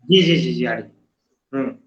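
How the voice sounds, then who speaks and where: A man's voice: mid-range voice, normal speed. A man interviewing over a phone line, asking long probing questions and often saying hmm while the guest talks. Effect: heard over a phone line. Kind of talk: political interview. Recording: dull echoey phone line.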